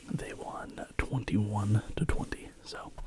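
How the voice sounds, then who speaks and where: Whispering unfolds at a very slow pace against noticeable background noise. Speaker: ASMR creator and football fan. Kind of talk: ASMR ramble to camera. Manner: soft-spoken, rambling.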